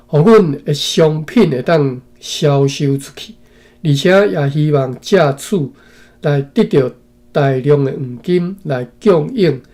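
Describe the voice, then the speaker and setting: This reader from Taiwan has a mellow voice on the higher side as he recites an old text with commentary. Phrase by phrase he goes, interrupting himself for asides to the audience that tend to finish with a tag particle.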